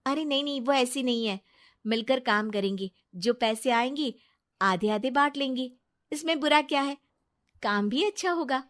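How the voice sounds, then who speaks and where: A woman's voice: high voice, normal speed, a bit bright, voice pushed up. A woman voicing an earnest, trusting young wife in a cartoon story, pleading as she talks.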